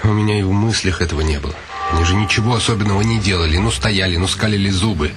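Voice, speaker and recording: A man's voice: deep voice, fast, lightly acted. An actor playing a troubled nobleman in a radio drama monologue, brooding and questioning himself, with music behind him. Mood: shaken, self-reproaching. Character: troubled nobleman, a man, inwardly reproaching and calming himself.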